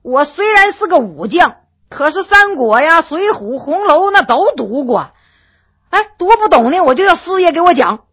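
A woman playing a booming, boastful giant of a general. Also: very animated, normal speed, heavily acted. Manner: loud, laughing, blustering. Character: huge booming middle-aged Manchu general, hearty and boastful.

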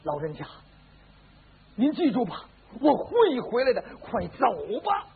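A man's voice: extremely high pitch, wildly swooping pitch, measured pace, gravelly, breathy edge, full character voice. A male storyteller voicing a grateful young nobleman who speaks with earnest, solemn fervor, on a lo-fi recording. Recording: lo-fi phone-like band with faint hiss.

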